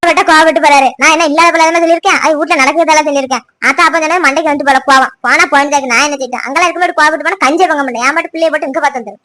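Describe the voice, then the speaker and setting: A woman voicing a quarrelsome young village wife in a cartoon, with a Tirunelveli Tamil accent and a rapid, scolding way of talking. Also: high voice, fairly even intonation, pushed and bright. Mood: defensive.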